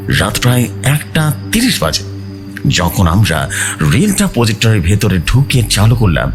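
Low, very animated male horror storyteller. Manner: suspenseful, theatrical phrasing. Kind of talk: dramatic first-person horror narration. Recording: music bed behind the voice.

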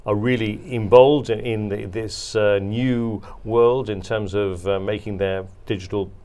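A man in his forties interviewing a guest in a studio, framing his questions haltingly and repeating words. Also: lowish voice, steady tone, warm tone. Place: dark studio set at a conference.

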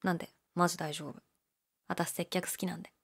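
Woman acting a listless low-voiced gyaru store clerk. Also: level tone, fairly quick. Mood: low-key, candid. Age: young adult. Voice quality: low, breathy. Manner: listless, hesitant, mumbled casual polite speech. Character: downer gyaru convenience-store clerk, young woman, laid-back, shyly candid. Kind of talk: male-oriented situation voice drama, casual chat.

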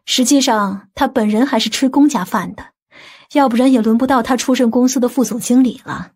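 A woman's voice: on the high side, fairly quick, darkish tone, husky. A woman acting a confident, well-connected aunt in an audiobook drama, speaking in an assured, matter-of-fact way.

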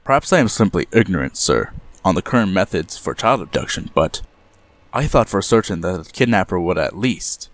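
An actor playing a deferential aide in an audio drama, formal and dryly polite. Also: male voice, low voice, very animated, moderate pace, dry recording. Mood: formal, urgent. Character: Roland, deferential, formal male aide to boss.

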